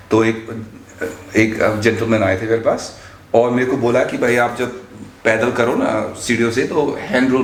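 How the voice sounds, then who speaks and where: A man's voice: on the low side, roomy sound, slight background noise. A man in his fifties talking as a guest trainer, telling stories in a casual chat and switching between Hindi and English with frequent restarts. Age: 50s.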